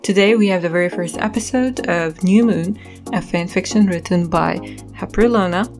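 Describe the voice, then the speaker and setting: A woman's voice: fairly low pitch, moderate pace, darkish tone. A woman hosting and narrating a podcast, reading in a scripted style. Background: music.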